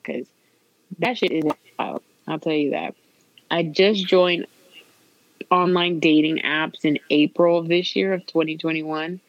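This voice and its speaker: A woman's voice: lowish voice, no echo, highs cut off. A woman with a Puerto Rican accent, co-hosting a podcast in casual, candid chat with blunt, wry remarks. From Puerto Rican, raised in the US South. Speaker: podcast co-host.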